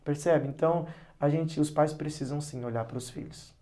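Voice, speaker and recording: A man, a pastor and psychologist, talks as a podcast guest in a voice pitched a bit higher than most men's. He tells lively family stories and jumps into the voices of the people in them. His advice comes across as earnest and direct. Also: moderate pace. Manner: animated storyteller who acts out parents and children; earnest, advising. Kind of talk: podcast interview talk.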